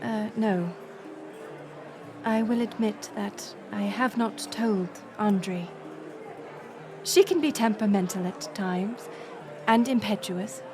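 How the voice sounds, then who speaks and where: A woman playing a gracious, resolute middle-aged queen in an audio roleplay, speaking in formal, stately, measured phrases. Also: medium pitch, music in the background, natural voice. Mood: gracious, candid. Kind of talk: scripted audio roleplay acting.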